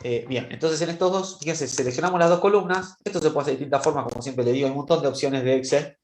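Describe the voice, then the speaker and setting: A man's voice: on the high side, fast. A male teacher walking students through a spreadsheet exercise in an online class, patiently checking in with them as he goes. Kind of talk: online class screen-share demonstration. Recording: roomy echo.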